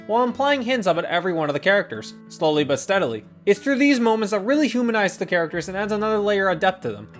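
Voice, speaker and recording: A video reviewer reading a scripted first-impressions narration in an enthusiastic, opinionated manner. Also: medium pitch. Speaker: video game reviewer and host. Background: guitar and instrumental music.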